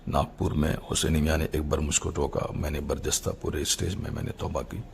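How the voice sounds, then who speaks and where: Middle-aged male cleric, low-pitched with heavy creak, solemn and halting formal address, faintly noisy amateur audio. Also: level tone. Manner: measured, halting phrasing with formal Urdu religious vocabulary.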